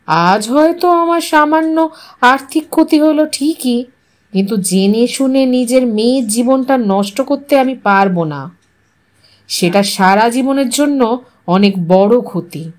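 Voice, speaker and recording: A protective middle-aged father, played by a woman narrator speaks in a measured, grave manner. He is a dignified man of modest means in an audio story. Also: a little high, lively intonation. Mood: grave, resolved.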